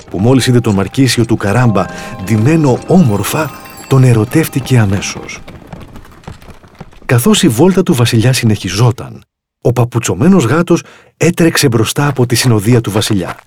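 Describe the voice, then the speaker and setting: Expressive man reading a storybook. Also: medium pitch, faint music behind. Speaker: narrator.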